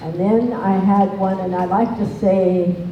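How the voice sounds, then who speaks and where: A woman's medium-pitched voice in an American accent, with noticeable background noise and audible room echo. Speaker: elderly speaker recalling her life. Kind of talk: personal storytelling presentation. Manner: halting, with fillers.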